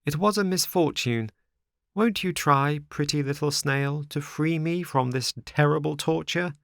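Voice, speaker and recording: Guy doing a little wooden puppet boy for a storybook, high pitched, whiny pleading, super impatient and dramatic. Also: measured pace, vocal fry, fairly bright tone, dry recording, studio quality. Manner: pleading, exclamatory.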